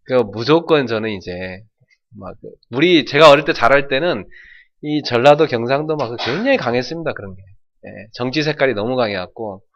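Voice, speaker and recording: A middle-aged man from North Jeolla preaching a sermon as pastor, telling folksy stories and shouting out imitations. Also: medium pitch, lively intonation, brisk, lo-fi sound. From North Jeolla, South Korea.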